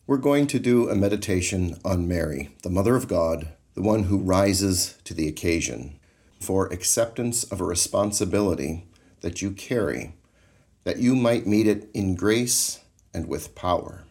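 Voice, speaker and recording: A man leading a guided Christian meditation in a calm, soothing, measured way. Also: low-pitched.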